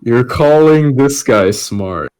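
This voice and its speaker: A man's voice: mid-range voice, lively intonation, slow, darkish tone, poor audio. Sarcastic man in casual podcast banter. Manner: sarcastic, crude joking. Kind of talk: casual chat.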